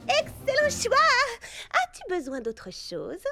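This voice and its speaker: A woman playing a chirpy young girl shopkeeper in a children's cartoon, polite, brisk and eager to serve. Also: very high-pitched, wildly swooping pitch, creaky, loud music behind the voice, heavily acted. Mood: businesslike. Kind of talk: animated children's series dub.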